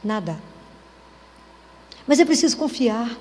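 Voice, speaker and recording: A woman's voice: fairly high pitch, sing-song, takes it slowly, darkish tone. A middle-aged woman giving a conversational sermon, full of anecdotes and rhetorical questions, to a live audience. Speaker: Catholic speaker giving a spiritual talk. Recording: long hall reverb.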